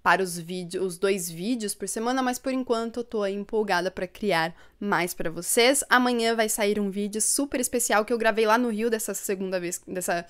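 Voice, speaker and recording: A young woman chats with her viewers on a live stream, upbeat and talkative. Her voice is smooth and clear, sitting at an ordinary middle pitch. She speaks close to a desk microphone in a room at home. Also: moderate pace, hardly any pauses, fairly bright tone. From São Paulo state, Brazil. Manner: chatty and upbeat, laughs often, reads viewer comments aloud. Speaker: book channel host. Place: home room with bookshelves, indoors. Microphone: desk microphone in front.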